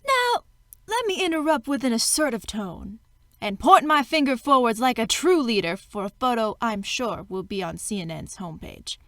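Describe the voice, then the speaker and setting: Satire role: folksy, blustering governor woman acting, high-pitched, lively swoops, mock-assertive and bumbling. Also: normal speed, dry recording. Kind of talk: staged reader's theater political satire.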